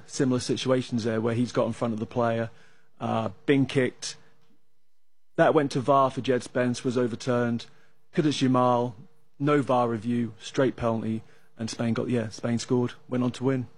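A man with an English accent, an analyst calmly breaking down soccer tactics with some hesitation fillers. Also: medium pitch, breathy edge. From England. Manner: measured, analytical, with frequent uh fillers. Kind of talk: sports talk discussion.

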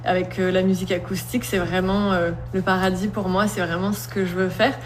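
A woman, a slam poet and singer, answering interview questions in an earnest, thoughtful way with many pauses. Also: fairly low pitch, little pitch movement.

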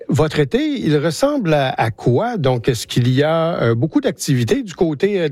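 Male radio host, mid-pitched, affirming, dry studio sound. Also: a little mellow, dry recording. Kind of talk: radio interview.

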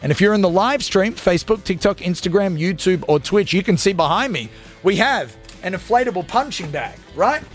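A man's voice: high-pitched, expressive, brisk, soft background music. A young Australian man hosting a late-night radio show, ranting crudely and comically to listeners in a studio. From Australia (Gold Coast, Queensland). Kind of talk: energetic talk radio monologue.

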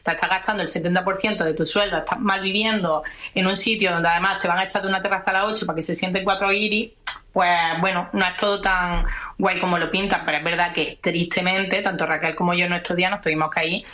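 A woman's voice: on the low side, steady tone, fast talker, bright, forceful tone. A young woman with an Andalusian accent, a guest chatting casually and thinking aloud. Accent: Andalusian Spanish. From Andalusia, Spain. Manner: reflective, thinks aloud with fillers. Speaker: guest, screenwriter and podcaster. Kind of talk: casual radio chat.

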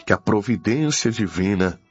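A man's voice: on the low side, animated, normal speed. A Brazilian man leading a fervent Christian prayer as a preacher, pleading and repeating himself with frequent devotional interjections. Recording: dull lo-fi audio with music behind. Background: music.

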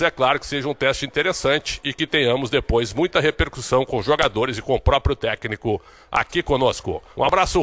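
Man, correspondent, sports report, slightly high voice, steady delivery. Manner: steady, informative, fluent.

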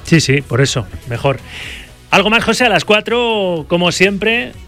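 A man hosting a radio sports show, briskly presenting segments and handing over to reporters. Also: sits high, very animated, a bit bright, soft background music.

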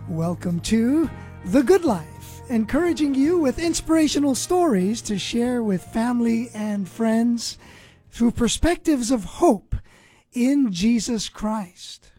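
A man's voice: very high-pitched, animated, slow, mellow, slightly rough, soft background music. A man hosting a Christian radio ministry show, speaking earnestly and preachily, sometimes restarting his words.

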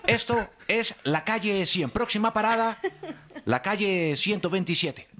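A man's voice: high voice, unhurried, a bit bright, slight background noise. A man at a radio studio, trying out a playful announcer voice. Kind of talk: casual studio chat.

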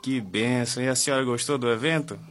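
Male Brazilian co-host for religious phone-in, average pitch, courteous devout delivery, clear music bed behind. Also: quick pace, fairly bright tone. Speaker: radio prayer show co-host. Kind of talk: live religious radio call-in.

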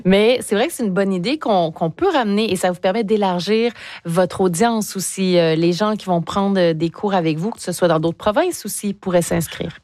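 A woman hosting a casual interview, friendly and quick to laugh. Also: mid-range voice, darkish tone. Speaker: radio interviewer.

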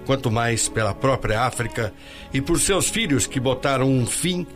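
Male TV narrator, formal measured read, music bed clearly under the voice. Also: medium pitch, lively intonation, a bit bright. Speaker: news narrator. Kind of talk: scripted documentary narration.

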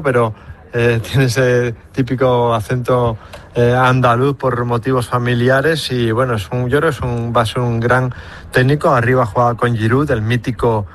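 A man giving measured football analysis on a radio sports show, pausing often with fillers. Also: mid-range voice, slight background noise. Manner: measured, frequent hesitations. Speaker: football pundit.

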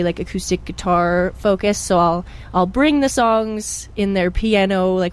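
A woman's voice: mid-range voice, clean tone. A young woman from Pennsylvania, a musician, chatting in an interview in a bubbly way with many fillers. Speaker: guest musician. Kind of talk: casual interview.

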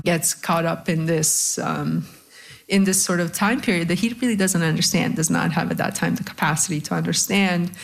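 A woman in her forties from Bosnia speaks as an interview guest. Her voice sits low and has a gravelly edge. She reflects carefully, pausing often and filling gaps with small hesitations. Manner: reflective, hesitant, many fillers. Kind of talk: personal recollection in an interview.

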